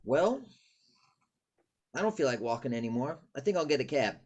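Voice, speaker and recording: Low, husky, breezy pal played by a woman. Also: sing-song, normal speed, a little mellow, lo-fi sound, full character voice. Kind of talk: table-read acting.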